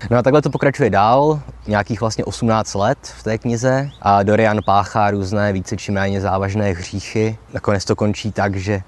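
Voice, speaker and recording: A young man with a fairly low voice talks through a novel like a casual lesson. He explains things step by step in a loose, conversational way, with plenty of fillers and small asides. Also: steady tone, few pauses. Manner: chatty, explanatory, frequent fillers like "jo" and "no". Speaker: literature video host. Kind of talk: casual literature lecture.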